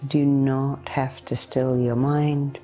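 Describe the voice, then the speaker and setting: A woman guides a meditation in a very deep, mellow voice. She gives soothing, deliberate instructions straight to the listener, in the manner of a hypnotherapist. Music plays behind her. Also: level tone.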